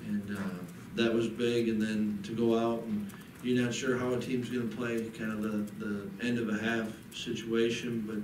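A middle-aged man, a head coach at a postgame press conference, talking haltingly with many restarts into a desk mic. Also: fairly low pitch, flat delivery, a little mellow. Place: press room in front of a backdrop. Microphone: table mic on a desk. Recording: echoey room, mic a bit far, audible noise.

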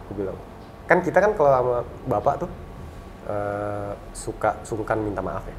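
A man in his thirties, a talk show guest, telling a personal story in a relaxed, reflective way and going soft and low on sad memories. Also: moderate pace, a little hiss or hum. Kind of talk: casual conversational storytelling.

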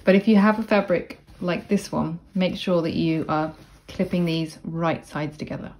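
A woman explaining sewing steps in a casual, chatty tutorial voice-over, with relaxed asides. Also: on the low side, normal speed. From Cornwall, England. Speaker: sewing instructor. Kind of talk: casual step-by-step tutorial narration.

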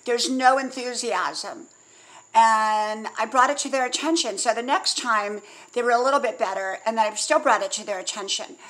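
A woman's voice: on the high side, a little fast, fairly bright tone, low-quality recording. An older woman hosting a casual motivational talk, folksy and emphatic, listing points in repeated phrases. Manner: folksy, repetitive, emphatic lists. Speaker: host.

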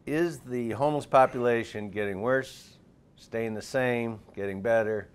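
A man's voice: mid-range voice, measured pace, clean tone. A middle-aged man talking in a chatty, promotional way in a TV studio interview, gesturing as he speaks, on a lapel mic. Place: TV studio set.

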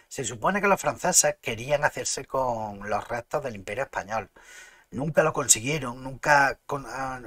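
A man's voice: mid-range voice, a bit bright, dry recording. A man with an Andalusian Spanish accent, streaming and chatting casually, arguing his points emphatically and restarting words mid-flow. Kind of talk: casual live-stream chat.

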